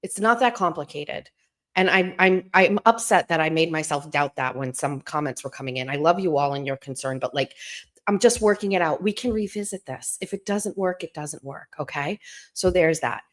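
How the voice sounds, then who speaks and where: A middle-aged woman hosting a live stream from home, chatting in a hushed, rambling way so she won't wake anyone. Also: normal speed. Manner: talking low and hushed to keep from waking someone; chatty and rambling, full of asides and restarts.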